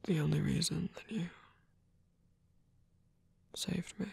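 Man acting a slow, husky, tender villain. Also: fairly high pitch, no echo, exaggerated voice. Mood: earnest, vulnerable. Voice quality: breathy, husky, often dropping to a whisper. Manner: hesitant, halting, soft-spoken. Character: male villain, tender, teasing, smitten with rescuer. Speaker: voice actor. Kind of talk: intimate ASMR roleplay acting.

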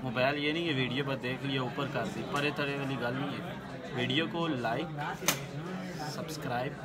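A man's voice: medium pitch, fairly even intonation. A young man in his twenties with a Pakistani Urdu accent, chatting and joking to a phone held at arm's length while at work on a call center floor. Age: 20s. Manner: chatty, joking, drawn-out pace. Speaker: vlogger, call center agent. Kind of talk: casual selfie vlog. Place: indoors, busy open-plan call center floor at night. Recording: loud crowd chatter behind. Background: chatter of a crowded office.

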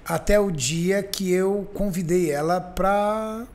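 In a high-sitting voice and at a slow pace, this podcast host casually narrates a story, animatedly taking on the voices of its characters.

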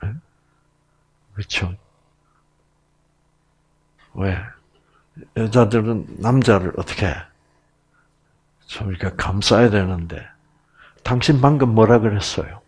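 A man's voice: on the low side, slow, long pauses, breathy edge. A man giving a Bible lecture to an audience, often posing rhetorical questions.

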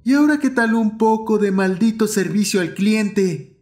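A man voicing a small, angry, menacing teddy bear with a soft childlike voice in a horror audio story, taunting and belligerent. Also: sits high, normal speed. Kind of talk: horror audio fiction acting.

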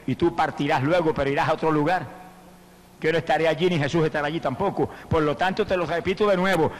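A man's voice: fairly high pitch, quick pace, in a large hall, natural voice. A preacher acting out a dying mother who says tender, solemn farewells to her children.

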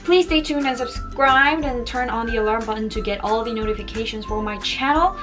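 A woman's voice: on the high side, a little fast, over music. Bubbly young Korean woman teaching slang. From South Korea. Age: young adult. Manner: bubbly, repeats words for practice, expressive hand gestures. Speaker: Korean language teacher and YouTuber. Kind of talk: upbeat vlog-style language lesson. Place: small indoor room in front of a plain wall. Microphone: camera framed at chest height.

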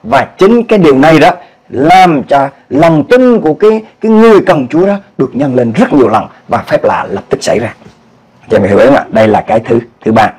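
A man preaching a sermon as pastor, with a Southern Vietnamese accent, animated, asking the congregation questions and acting out quoted cries. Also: medium pitch, a little fast, slightly rough, rough recording.

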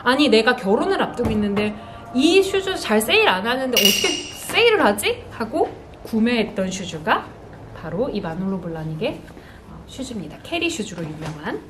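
Expressive high-voiced Korean woman vlogger. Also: normal speed, background noise. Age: 30s. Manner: chatty, expressive, cute exclamations. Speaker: vlogger, host. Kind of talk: casual product show-and-tell to camera. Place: bright small indoor room with sofa.

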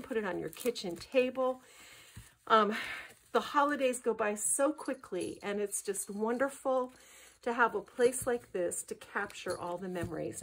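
A middle-aged woman presents a paper craft project at her table, chatting in a friendly, enthusiastic way. Her voice sits at an ordinary middle pitch, and she keeps her talk relaxed and casual. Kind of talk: casual craft show-and-tell.

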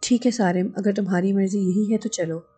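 A woman's voice: mid-range voice, steady tone, brisk, mellow, slightly rough, soft background music, natural voice. A woman voicing a young wife, reading her lines in a teasing, emotional way. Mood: tender. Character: young wife, playful then hurt.

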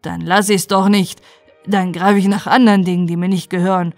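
A woman voicing a remorseful poor man and former thief who speaks haltingly and earnestly. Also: on the low side, flat delivery, a little mellow, no room sound, soft background music, close to an everyday voice.

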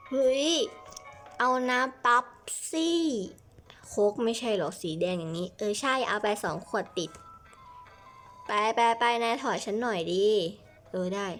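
Playful high-voiced woman doing a game role-play. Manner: chatty, switching between characters.

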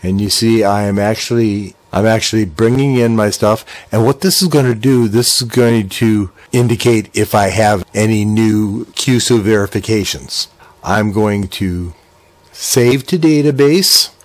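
A man's voice: lowish voice, a little slow. Older American man giving a tutorial. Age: older, around 60s. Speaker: video tutorial presenter. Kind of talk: step-by-step software tutorial, conversational.

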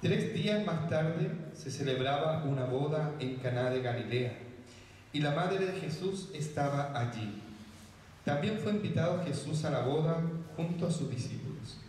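A man from Chile interprets a sermon line by line, repeating each phrase and adding quick asides to the audience. His fairly high voice comes from far off in a large hall with long reverb. Faint room noise is heard behind him. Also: animated, darkish tone. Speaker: interpreter and event host. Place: large hall with bare walls, indoors. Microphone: handheld mic, heard from a distant camera.

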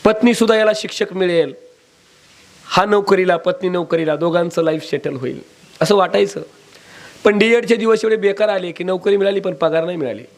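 High-pitched male preacher, dramatic storytelling sermon, sing-song emphasis. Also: brisk.

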